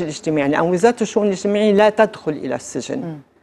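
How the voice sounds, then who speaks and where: A woman's voice with ordinary pitch variation. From Lebanon. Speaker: charity founder; talk show guest. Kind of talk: TV interview. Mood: earnest, explaining. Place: studio.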